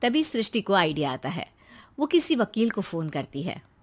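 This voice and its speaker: A woman narrating a cartoon story in a plain, steady storytelling voice. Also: medium pitch, normal speed.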